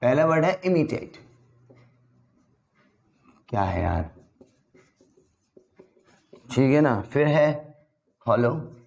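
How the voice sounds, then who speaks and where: A man teaches English vocabulary in a casual classroom manner. He drills each word, repeats it, and keeps checking in with his students. His pitch sits in the middle range. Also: big pitch swings, extremely slow, creaky, long pauses, a little mellow.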